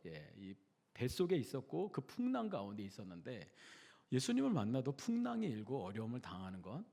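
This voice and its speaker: A man preaching a sermon with a lively, rising and falling voice at a mid pitch. He talks to the congregation in a conversational way and keeps asking them questions. His voice carries a long reverb from the church hall. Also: slightly rough. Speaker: pastor. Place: church sanctuary.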